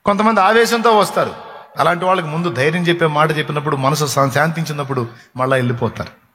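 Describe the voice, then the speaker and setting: A man's voice: a little high, fast, a bit bright. Male pastor, raised voice, fervent repetitive sermon delivery, long hall reverb. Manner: emphatic, repeats phrases, acts out comforting words.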